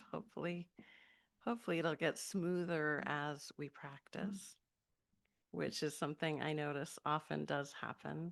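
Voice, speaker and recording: A calm, gentle tone at a fairly slow pace with ordinary pitch variation. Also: woman, very deep, low pitch for a woman. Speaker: meditation teacher. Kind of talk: guided meditation.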